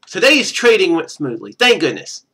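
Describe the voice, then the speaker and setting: A man's voice: high voice, wildly swooping pitch, moderate pace, bright, forceful tone, slightly rough, full character voice. A man voicing a ruined trader's journal from a visual novel, read aloud in an earnest storytelling way. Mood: earnest, hopeful. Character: ruined male trader writing in his journal. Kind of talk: reading a journal aloud in a game.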